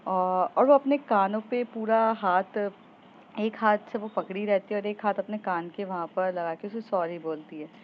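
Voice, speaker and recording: A woman's voice: medium pitch, a little slow, dull audio, slight background noise. Woman casually narrating a love story. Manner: conversational, uses fillers.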